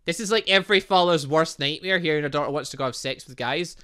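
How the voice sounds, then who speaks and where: A man's voice: on the high side, quick pace, bright, forceful tone. A man playing a visual novel, reading its lines aloud and joking about the story in casual chat. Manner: chatty, laughing asides, restarts mid-word. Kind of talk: casual let's-play commentary and reading game dialogue.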